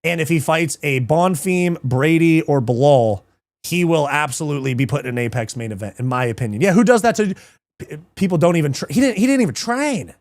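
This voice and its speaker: A fairly high-voiced man rattles off fight results with crude, excitable energy. He swears freely, laughs, and reacts to his chat. The sound is close and dry, with no room around it. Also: a little fast, dry recording. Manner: profane, excitable, reads live chat, laughs often. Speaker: livestream MMA show host. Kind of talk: casual livestream commentary.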